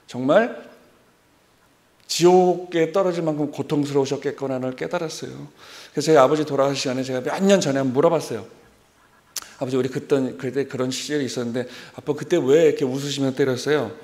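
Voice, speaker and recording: A man in his forties gives a church sermon built around a personal story. His voice sits a little high, and he tells the story with lively rises and falls. He acts out remembered dialogue as he goes. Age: 40s. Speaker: preacher.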